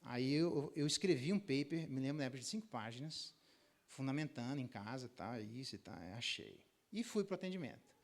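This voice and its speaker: A middle-aged Brazilian pastor with a mid-range voice and a Brazilian Portuguese accent teaches a Bible lesson at a brisk pace. A lively storyteller, he uses anecdotes and acts out the dialogue himself in raised voices.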